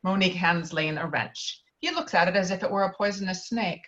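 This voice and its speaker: A woman's voice: fairly low pitch, brisk, a bit bright, dull audio. A woman narrating stage directions in an amateur script table read over a video call.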